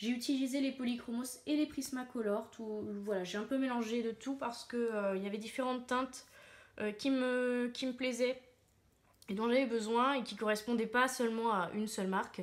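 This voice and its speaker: A woman speaks with a high pitch and fairly even intonation. Her pace is moderate. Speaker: coloring hobbyist youtuber. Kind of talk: casual show-and-tell vlog. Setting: at home, shutters closed. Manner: hesitant, many fillers.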